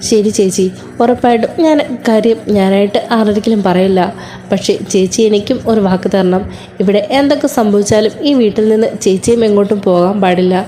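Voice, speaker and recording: A woman's voice: mid-range voice, fairly even intonation, fairly quick, dark tone, close to an everyday voice. A woman voicing a distraught young man who pleads emotionally with his elder sister as she retells a serial episode. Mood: insistent.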